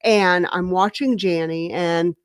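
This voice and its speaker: A woman's voice: lowish voice, takes it slowly, smooth, dry recording, studio quality. A middle-aged woman, a career coach, telling a story as a guest and acting out the dialogue with energy. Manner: animated, acts out dialogue in the stories. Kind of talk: conversational storytelling.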